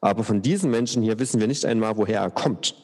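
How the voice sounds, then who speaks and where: A man's voice: lowish voice, fast talker, a little mellow, big-room sound, close to an everyday voice. A man reading as indignant religious leaders.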